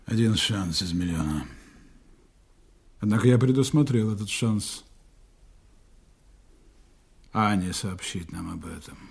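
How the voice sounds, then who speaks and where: An actor playing a smooth, authoritative German agent giving orders to his team in a radio play, speaking in calm, clipped tones. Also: on the low side, natural voice. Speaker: intelligence operative commanding a team.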